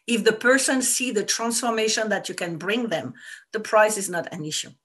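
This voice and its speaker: A woman's voice: mid-range voice, moderate pace, fairly bright tone, slightly rough. A woman with a French accent, a business coach explaining her work in an earnest, repetitive way. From France. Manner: earnest and explanatory, stresses points by repeating them. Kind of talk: casual interview answers.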